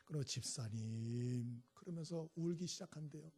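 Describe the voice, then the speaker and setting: A man's voice: high voice, lively intonation, normal speed, a little mellow, breathy edge. A male pastor preaching a sermon, telling stories and prodding the congregation with short questions. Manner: storytelling, prods the congregation with "예?" and "음?".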